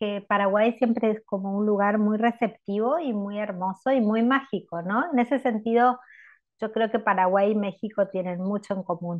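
A woman talks in a normal speaking voice at a fairly high pitch. Her pace is moderate and her pitch variation is ordinary. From Corrientes, Argentina. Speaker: festival ambassador. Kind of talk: casual interview chat.

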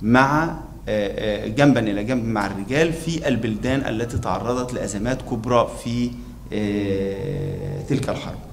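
With light background noise, a man talks at a fairly slow pace with ordinary pitch variation. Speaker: conference panelist. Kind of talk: conference speech. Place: hall. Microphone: podium.

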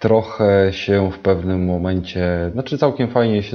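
Here a man speaks with a very deep, low pitch. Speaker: gaming podcast co-host. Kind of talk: casual chat.

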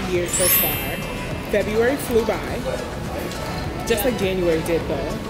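Over loud background music, a woman speaks at a moderate pace with ordinary pitch variation. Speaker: vlogger. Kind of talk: casual vlog chat. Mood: cheerful, relaxed. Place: cafe. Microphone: camera far.

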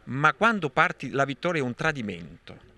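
A man's voice has a bright, sharp tone and a dry sound with no echo. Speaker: politician. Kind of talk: interview answer. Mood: combative, defensive. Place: garden. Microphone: handheld.

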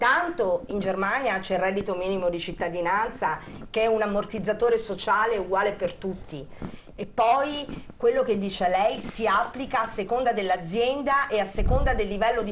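With light background noise behind her, a woman speaks at a moderate pace in a plain, everyday voice pitched fairly high. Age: 40s. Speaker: mayoral candidate; candidate. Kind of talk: televised political debate. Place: studio. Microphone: lapel.

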